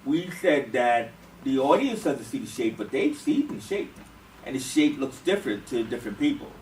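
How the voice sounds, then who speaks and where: A man's voice: medium pitch, sing-song, moderate pace, a little mellow. A man leading a workshop, giving informal feedback in an explanatory way and often checking that others agree. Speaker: workshop leader. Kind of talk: informal group feedback discussion. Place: echoey room, recorded from a distance. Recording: roomy, distant mic, faint noise.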